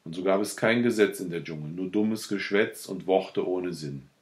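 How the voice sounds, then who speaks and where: Deep-voiced man reading a literary audiobook. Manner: measured storytelling. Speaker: audiobook reader.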